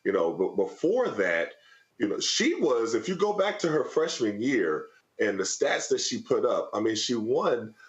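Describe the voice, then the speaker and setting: A man's voice: medium pitch, sing-song, measured pace, reverberant, poor audio. A man as a panel guest on a commentary show, easygoing and agreeable, laughing along with the host. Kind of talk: conversational commentary.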